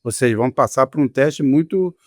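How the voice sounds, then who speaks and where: Conversational Brazilian host, dry sound. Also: male voice, mid-range voice, a little fast, no echo. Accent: Brazilian Portuguese. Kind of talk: casual panel discussion.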